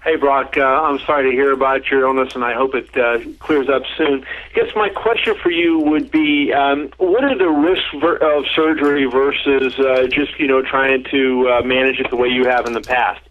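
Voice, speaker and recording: A man reporter on a speakerphone line, asking a polite, halting question at a press conference. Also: medium pitch, fairly even intonation. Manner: polite, hesitant, halting with fillers. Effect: heard over a speakerphone line. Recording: tinny phone line from far off.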